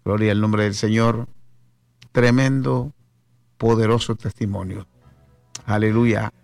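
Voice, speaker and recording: Slow-talking Latin American radio preacher, a man. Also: lowish voice, steady tone, vocal fry, darkish tone, dry recording. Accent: Latin American Spanish. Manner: devout, punctuates talk with hallelujahs and amens. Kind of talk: devotional radio preaching and chat with callers. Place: radio studio. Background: music.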